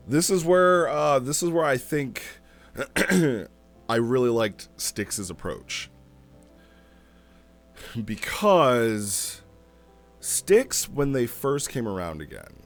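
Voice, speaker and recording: Casual male review host: deep register, slow and halting, retells stories informally over music. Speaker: host reviewing online roleplay sessions. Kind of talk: casual commentary, retelling a story.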